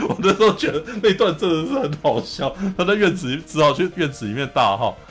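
A man hosts a casual anime chat in a slightly raised voice. He retells scenes with lively energy, laughing often and keeps asking his listener "you know?". Soft music plays faintly underneath. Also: on the high side, quick pace. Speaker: host.

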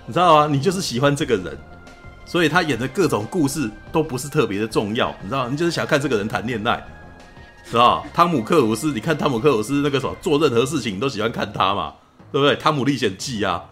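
Fast-talking animated podcast man. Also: mid-range voice, soft background music. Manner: fast, animated, keeps asking "you know?". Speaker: podcast co-host. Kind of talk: casual chat.

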